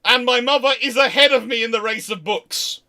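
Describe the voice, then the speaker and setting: Hosting a laid-back history livestream, this British man fields viewer questions with emphatic, rambling answers that often cut themselves off. He speaks a little fast in an extremely high, pushed, bright voice.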